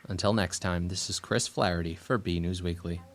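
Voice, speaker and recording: Low-voiced male news reporter. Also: fairly even intonation, normal speed. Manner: formal reporter delivery with sign-off.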